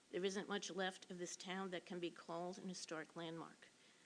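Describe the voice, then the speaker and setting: With an American accent, a woman speaks in an unremarkable speaking voice, fairly low in pitch and at a moderate pace. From New York. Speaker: resident speaking at public comment. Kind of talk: prepared public comment statement. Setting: city council meeting.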